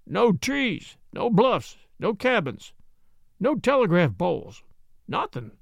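A man voicing a rough, gloomy frontier miner with a drawling way of talking. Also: high-pitched, sing-song, takes it slowly, no echo, exaggerated voice. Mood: glum.

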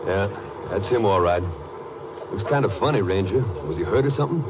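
An actor playing an easygoing oil drilling boss in a 1950s radio western, with a Southern American accent and a hesitant, folksy drawl. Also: male voice, on the low side, expressive, fairly quick, close to an everyday voice. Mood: hesitant, reflective. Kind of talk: 1950s radio western crime drama acting. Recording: muffled, noisy 1950s radio recording.

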